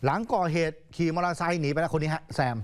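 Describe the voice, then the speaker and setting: A man's voice: a little high, fairly even intonation, fast talker. A man anchoring a news program, telling the story in a casual, chatty way with polite particles.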